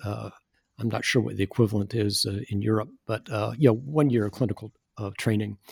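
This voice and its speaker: In a very clean recording with a silent background, a somewhat breathy man holds fairly even intonation at a fairly low pitch. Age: 70s. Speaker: retired neurologist and author. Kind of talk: interview. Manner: halting, with many repetitions and fillers.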